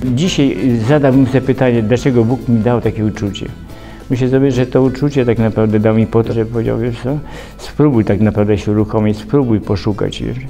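Over faint music in the background, a man speaks at a very fast pace with fairly even intonation. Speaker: recovering alcoholic, formerly homeless. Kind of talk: personal testimony interview. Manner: casual, conversational. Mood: reflective, earnest. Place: home room.

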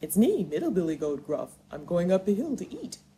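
A woman uses a cartoonish character voice at a medium pitch, talking at a fairly quick pace. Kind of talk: puppet story time for children.

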